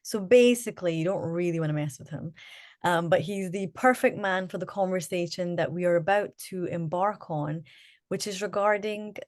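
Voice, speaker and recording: A woman moderating a community briefing, introducing a lawyer and asking him questions in a measured way. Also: lowish voice, dry recording, clean studio sound.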